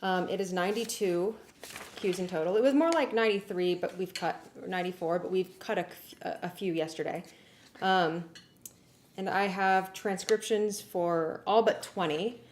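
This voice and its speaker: Woman, lowish voice, livestream host, casual chat, halting and informal, echoey room. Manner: informal, halting, thinking aloud. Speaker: livestream host and music arranger. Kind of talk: casual livestream chat, explaining work progress. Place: warm indoor room. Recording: roomy echo, clear background noise.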